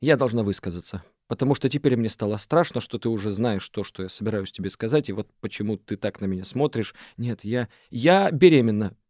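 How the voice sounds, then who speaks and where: A man's voice: lowish voice, fast talker, hardly any pauses, dry recording, studio quality, close to an everyday voice. A man reading an audiobook, voicing an impulsive, emotional young woman who blurts things out and swears. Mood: distraught. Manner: excitable, swearing, voice rising sharply.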